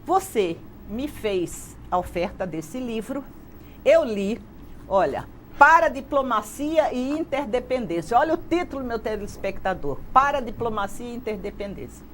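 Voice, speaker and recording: A woman's voice: a little high, very animated, normal speed, a little hiss or hum. A woman from Brazil hosting a TV interview show, effusive and speaking straight to the viewers. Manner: effusive, addresses viewers directly. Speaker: TV talk show host.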